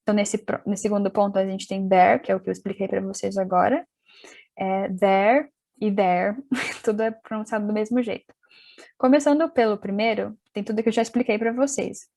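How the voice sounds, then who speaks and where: A woman's voice: mid-range voice, steady tone, a little fast, gravelly, darkish tone. A young woman teaching an English class, talking casually, restarting sentences and spelling words out letter by letter, with a London accent when she speaks English. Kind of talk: casual online class explanation.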